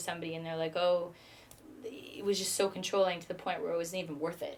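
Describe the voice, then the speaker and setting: Very fast speech with a slight Canadian accent. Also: woman. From Canada, Calgary. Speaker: songwriter and talk show host. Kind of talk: casual chat. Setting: studio. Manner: animated.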